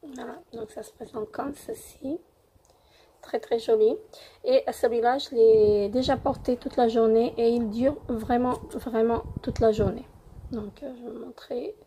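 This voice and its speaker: A young woman with a cold-roughened voice, hesitantly reviewing beauty products in a casual home vlog with many fillers. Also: on the high side, steady tone, measured pace, dark tone, slight background noise. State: hoarse from a cold. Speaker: beauty vlogger.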